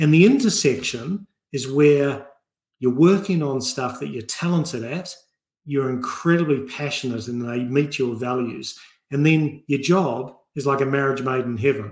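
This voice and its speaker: A man's voice is somewhat breathy and fairly high in pitch. He keeps a moderate pace with ordinary pitch variation. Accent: slight New Zealand. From New Zealand, South Island. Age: 50s. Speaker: business leader and author. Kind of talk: interview.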